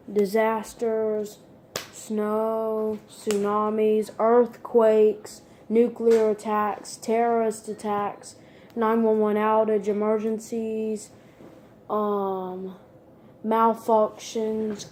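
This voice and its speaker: Woman doing a casual unscripted vlog, kinda high voice, really slow and halting, lists stuff one at a time. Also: mellow, a little hiss or hum. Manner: halting, listing items one by one. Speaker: video creator asking viewers for requests.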